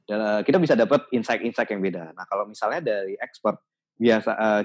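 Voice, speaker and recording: A man in a casual podcast chat, explaining his advice thoughtfully with many pauses and restarts. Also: fairly low pitch, slightly rough. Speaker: podcast guest.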